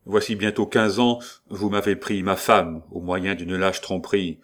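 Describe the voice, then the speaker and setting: A man's voice: sits low, flat delivery, unhurried, fairly bright tone. A man voicing a cold, commanding grey-bearded nobleman in black, speaking in a cutting, imperious way in an audiobook. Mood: accusing. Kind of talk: audiobook character voice.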